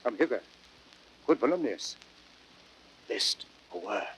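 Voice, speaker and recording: Slow, solemn noble Roman. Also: male voice, mid-range voice, sing-song, a bit bright, rough recording. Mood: grieving. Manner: solemn, declamatory. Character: noble, grieving Roman commander resolved to die. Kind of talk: 1930s radio Shakespeare acting. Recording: hissy old radio broadcast recording.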